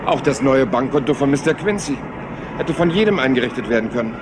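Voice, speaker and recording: A man's voice: medium pitch, lively intonation, quick pace, natural voice. Heavy vehicle noise surrounds a rumpled male police inspector played by an actor in a crime radio drama. He rambles slyly, needling with mock apologies and a harmless act. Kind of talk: retro German crime radio drama dialogue. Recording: loud background noise of a vehicle ride.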